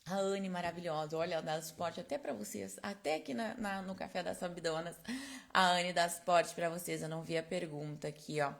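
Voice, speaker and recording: A Brazilian woman instructs an esthetics course in a live online class, chatty and explanatory, capping her points with constant little check-in questions while close to her personal microphone. Her voice is on the low side, brisk and creaky.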